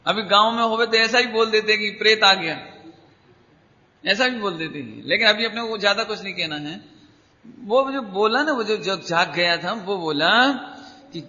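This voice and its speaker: A man's voice: high-pitched, normal speed, sharp tone. A man giving an emphatic spiritual discourse, repeating key words and urging listeners to pay attention. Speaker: Jain preacher. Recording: dull lo-fi hall recording.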